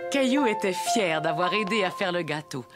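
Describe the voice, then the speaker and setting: Female narrator for a children's cartoon, slightly low and very animated, with loud music underneath. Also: moderate pace. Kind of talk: scripted storybook narration. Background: loud background music.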